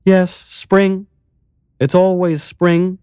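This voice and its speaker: A man reads her in a raised, lilting register: an unsettling village mayor woman who answers in calm, cryptic riddles. Her voice is hollow and weirdly musical, measured and serene. The sound is close and dry, an audiobook read with no room around it. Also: sits high, smooth, no echo, voice pushed up. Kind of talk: audiobook character voice.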